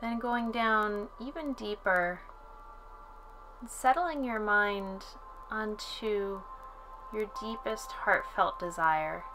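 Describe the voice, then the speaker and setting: Over clearly audible soft music, a woman leads a relaxation practice like a yoga instructor. Her medium-pitched voice is calm and soothing, and she speaks very slowly, leaving long pauses between phrases.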